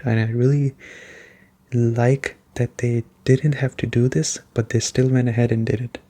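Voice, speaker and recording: A soft-spoken, relaxed man giving an ASMR-style video game review as a casual chat. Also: mid-range voice, creaky. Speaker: gaming video host.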